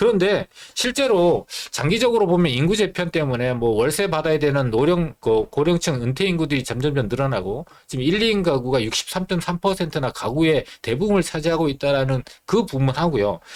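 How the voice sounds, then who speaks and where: A fairly high-pitched man talks at a fairly quick pace with very wide pitch swings and very even loudness, on a very clean recording with a silent background. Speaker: real estate consultant. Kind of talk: panel discussion. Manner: fast; speeds up when talking at length.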